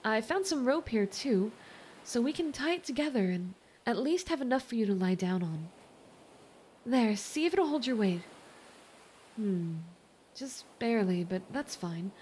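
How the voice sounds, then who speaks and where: A woman playing a kind, reassuring young mermaid in an ASMR roleplay, chatty, gentle and earnest. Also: fairly high pitch, animated, normal speed, slight background noise, natural voice.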